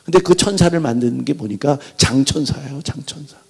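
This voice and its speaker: A middle-aged pastor preaches with animated storytelling, jumping from loud outbursts to near-whispers. His voice is gravelly and husky, sitting a little high. It rings out in a large church hall with long reverb. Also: brisk. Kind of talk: revival sermon. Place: church sanctuary.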